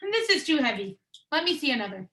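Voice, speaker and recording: A woman's voice: high voice, bright, forceful tone, heavily acted. A woman playing a proud, guarded young nobleman bound by honor, reading Shakespearean verse. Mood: challenging.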